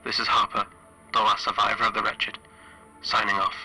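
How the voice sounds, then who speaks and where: A man playing a stranded, grieving spaceship engineer recording a radio-like log for a horror tabletop game, halting and deliberate with long pauses. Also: on the low side, little pitch movement, bright, forceful tone, faint music behind, poor audio. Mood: formal, grim. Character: stranded male spaceship flight engineer, weary, grieving lone survivor.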